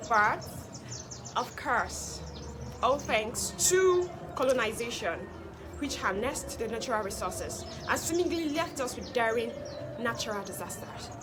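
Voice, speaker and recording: A woman's voice: on the high side, expressive, a little slow, noisy background. A woman playing a proud young Hausa woman who speaks with a Nigerian Hausa accent and talks in a formal, speech-giving way. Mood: speechifying. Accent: Hausa Nigerian English. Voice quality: formal, speech-giving, then loud laughing banter. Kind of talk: comedy skit acting.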